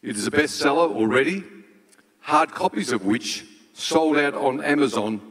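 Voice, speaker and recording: A man's voice: a little high, lively intonation, moderate pace, a bit bright. Older guy in his 60s hosting on stage, formal and solemn, big hall echo. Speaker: event host. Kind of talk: formal stage introduction and prayer. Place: large auditorium stage. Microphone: handheld microphone.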